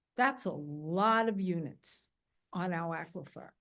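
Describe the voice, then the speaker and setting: With a New York accent, a woman speaks in very wide pitch swings. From Brooklyn, New York. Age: 70s. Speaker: resident speaking at public hearing. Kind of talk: public comment at town meeting. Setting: town hall meeting with audience. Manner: loud.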